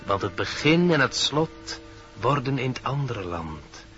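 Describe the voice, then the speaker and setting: On a dull-sounding vintage radio recording with faint music behind, a man voices a wise, solemn male deer, an oracle of old dreams, in cryptic, poetic incantations. His mid-range, fairly bright voice is very animated and a little slow, and the mood is solemn and foreboding.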